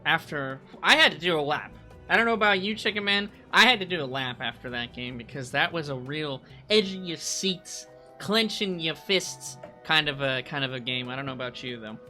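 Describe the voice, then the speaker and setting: Bright, excitable male esports caster. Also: a little high, moderate pace. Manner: excitable, playfully exasperated. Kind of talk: live game commentary. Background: faint music.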